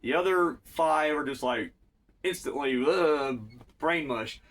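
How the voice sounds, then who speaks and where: A man's voice: fairly high pitch, takes it slowly, fairly bright tone, distant mic. A man with a cold recapping a cartoon episode in a rambling, profane, casual way. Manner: rambling, profane, filler-heavy. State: has a cold.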